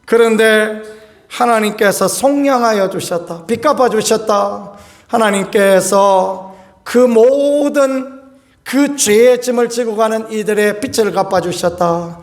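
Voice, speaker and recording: A man in his fifties preaching a sermon, telling a homely personal story with animated, folksy delivery and chuckles. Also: high voice, slow. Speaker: pastor.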